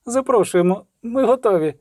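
A man's voice: sits high, animated, fairly quick, warm tone, dry recording, studio quality, voice pushed up. A man reading an audiobook, voicing a playful, mocking young sorceress with a bold, teasing manner.

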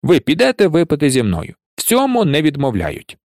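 A man's voice: huge pitch swings, brisk, no room sound. Guy doing a sly old peasant gravedigger, chatty and pleading, voice jumps around a lot, dry recording. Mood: cajoling. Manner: cajoling, higher and louder than the narration.

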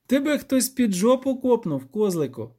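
A man's voice: sits high, big pitch swings, fairly quick, warm tone, pitched above the performer's own voice. A man voicing a cheeky, dramatic young male poet who exclaims and teases. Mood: excited. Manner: mocking, exclaiming.

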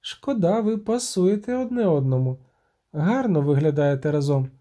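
A man reading an audiobook, voicing a female sea siren who talks in shrill, trilling, drawn-out tones. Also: lively intonation, mellow, lightly acted. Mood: mocking.

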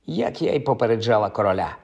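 A man's voice: on the low side, lively intonation, fast talker, creaky, darkish tone, dull audio. A man reading an audiobook, voicing a stern young woman who questions pointedly and insistently. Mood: scornful. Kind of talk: audiobook character voice.

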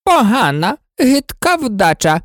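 Woman doing a bossy imperious queen, scolding, impatient, high and loud, storybook. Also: big pitch swings, slow pace, no room sound, clean studio sound. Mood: lecturing.

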